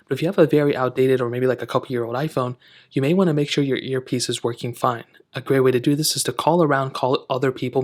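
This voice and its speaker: A man hosting a how-to tech video, explaining steps in an informal, chatty way. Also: medium pitch. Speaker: tech tutorial host. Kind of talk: casual how-to tutorial narration.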